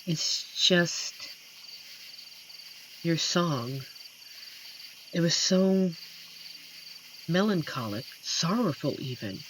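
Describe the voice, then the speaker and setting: A performer voicing an amiable, shy werewolf forest protector in a roleplay audio drama, speaking gently and hesitantly with earnest pauses. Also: medium pitch. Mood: tender. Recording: noisy track with night cricket ambience. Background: crickets and night forest insect ambience.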